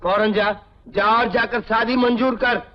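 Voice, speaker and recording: An actor playing a domineering village landlord who scolds and barks orders in an old film. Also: male voice, very high-pitched, steady tone, a little slow, highs cut off, a little hiss or hum. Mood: scolding. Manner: bossy, scolding, barking orders. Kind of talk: 1980s film villain acting.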